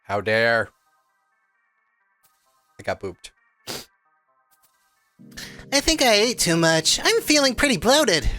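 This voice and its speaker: A man chatting through a story game on stream, playful and quick with jokes. His pitch rises a little above the usual and jumps around a lot between remarks, with faint music in the background. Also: wildly swooping pitch, bright, forceful tone. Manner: playful, chatty, jokey asides. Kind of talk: casual game stream, reading story aloud.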